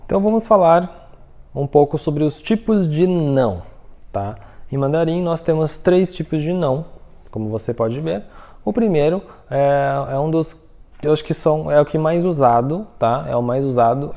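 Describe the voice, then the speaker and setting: A man teaching a Mandarin lesson, explaining patiently, checking in with the listener often and saying example phrases slowly. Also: mid-range voice, dark tone. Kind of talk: online language lesson.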